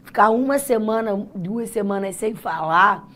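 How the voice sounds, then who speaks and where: A Brazilian woman teaches a live online class in a husky voice that sounds worn and hoarse. She is informal and chatty, speaking straight to her students and encouraging them as she goes. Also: mid-range voice, measured pace, fairly bright tone. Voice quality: naturally husky, raspy. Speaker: chemistry teacher hosting a live exam-prep class. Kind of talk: live online lesson, informal pep talk.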